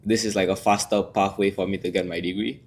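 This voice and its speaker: Deep-voiced Singaporean teen boy. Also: flat delivery, quick pace. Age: late teens. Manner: plain, brief answers. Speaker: guest.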